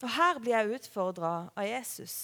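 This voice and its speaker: A woman with a high voice gives a sermon in a relaxed, conversational way, often turning to the listeners with rhetorical questions. Her voice carries a long reverb from a church hall. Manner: conversational, warm-hearted preaching with rhetorical questions. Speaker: preacher.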